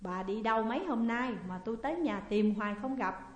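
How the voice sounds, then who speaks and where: A woman voicing a sly, pushy old male sorcerer in a story, speaking calm and measured. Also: a little high, muffled recording, lightly acted. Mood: insistent. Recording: long echoey reverb.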